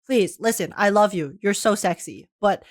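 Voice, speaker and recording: A woman reacting casually to a game on stream, giggly and excitable, with slang and swearing. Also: medium pitch, normal speed, dry recording, studio quality. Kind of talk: casual gaming reaction commentary.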